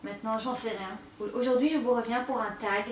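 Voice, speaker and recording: A young woman talks frankly to her camera from a seat at home, slightly high-voiced and hesitant, often repeating herself. The mic sits well back, so the room rings around her voice and a faint hum of room noise stays underneath. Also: fairly even intonation, fairly quick, reverberant, distant mic, poor audio. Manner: candid and chatty, repeats words and hesitates often. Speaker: vlogger. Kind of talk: casual confiding chat to camera.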